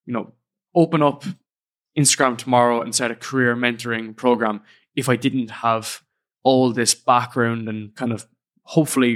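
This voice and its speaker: A young Irishman talks into his podcast microphone in a relaxed, earnest monologue. His voice sits at an ordinary middle pitch for a man. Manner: casual, earnest, reflective. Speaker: podcast host. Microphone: studio podcast microphone.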